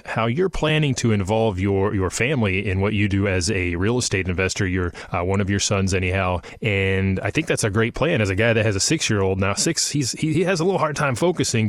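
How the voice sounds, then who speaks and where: A man's voice: lowish voice, no echo, studio quality. A man in his thirties filling in as radio show host, friendly and a little rambling in his questions. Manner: friendly, rambling, with frequent restarts. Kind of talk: radio interview hosting.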